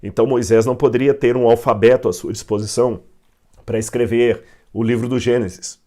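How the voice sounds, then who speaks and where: A man's voice: medium pitch, steady tone, a little fast, dark tone. A man with a Brazilian Portuguese accent teaching a Bible history lesson, explaining step by step with fillers and self-corrections. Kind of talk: explaining at a whiteboard.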